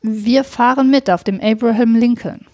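A woman's voice: fairly high pitch, normal speed, warm tone, no echo, clean studio sound, close to an everyday voice. A woman voicing an urgent, commanding male scholar in a read-aloud story. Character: hurried middle-aged male scholar.

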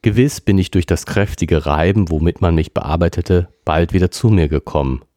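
A man reading a classic novel aloud as a podcast narrator, in a steady storytelling manner. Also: low-pitched, normal speed, no echo, clean studio sound. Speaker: podcast reader. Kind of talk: audiobook reading.

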